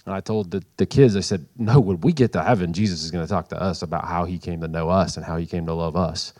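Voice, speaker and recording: A middle-aged man sharing a comment in a group discussion, halting and repeating words as he thinks. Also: low-pitched, a little mellow. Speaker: participant in the group.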